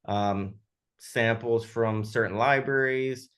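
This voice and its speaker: A man speaking casually and haltingly as a sound designer in an interview, thinking aloud as he explains. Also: medium pitch, steady tone, a bit bright.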